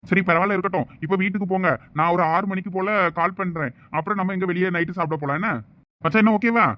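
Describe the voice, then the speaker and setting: A man's voice: high-pitched, steady tone, lightly acted. A young man acting a husband in a village comedy skit, soothing and pleading, on a slightly muffled recording. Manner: pleading, soothing, fast talk.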